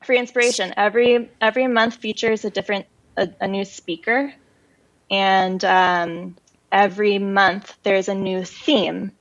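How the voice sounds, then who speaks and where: A woman's voice: medium pitch, fairly even intonation, unhurried, highs cut off. A woman guest on a casual podcast chat, talking freely and filling gaps with "like" and "um". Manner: chatty, explains with "like" and "um". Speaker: podcast guest, creative community organizer.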